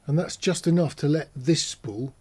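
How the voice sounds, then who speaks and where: A man presents in a casual, conversational style. His voice sits a little high for a man, with a soft, mellow tone and a noticeably husky grain. He explains things plainly and step by step. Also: moderate pace. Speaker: presenter of an audio gear channel.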